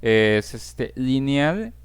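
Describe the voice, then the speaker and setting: A man teaching a class, explaining in a measured way with frequent fillers and checks for understanding. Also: medium pitch, big pitch swings, smooth. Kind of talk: recorded class lecture.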